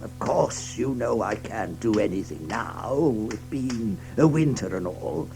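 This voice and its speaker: Gravelly, kindly old badger. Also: male voice, on the low side, animated, unhurried, over music. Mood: gruff, concerned. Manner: hesitant, repeats himself with ums. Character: kindly, hearty older badger, gruff host. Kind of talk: dramatized children's audio storybook.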